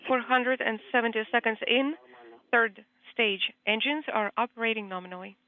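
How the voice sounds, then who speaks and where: A man's voice: extremely high pitch, moderate pace. A man on the spacecraft crew giving clipped, procedural air-to-ground radio reports. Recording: tinny radio link.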